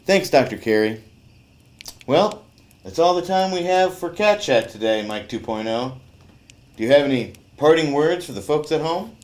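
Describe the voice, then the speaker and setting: A man's voice: a little high, animated, normal speed, a little mellow, natural voice. A man playing an exasperated, mock-formal host of a comedy cat talk show. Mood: formal, strained.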